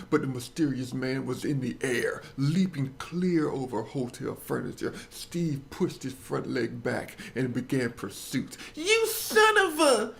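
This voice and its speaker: A male host narrates a mock-dramatic comic story, crude and sarcastic, milking every beat. His mid-pitched voice has a gravelly rasp, with faint hiss behind it. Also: sharp tone.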